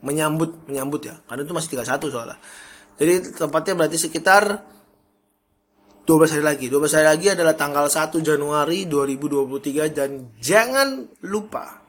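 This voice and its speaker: A young man talks through his solo podcast in a loose, chatty way, catching his own slips and laughing them off. His voice sits a little high for a man and has a husky, breathy grain. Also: fairly even intonation, quick pace, a bit bright. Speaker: podcast host. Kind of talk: casual solo podcast monologue.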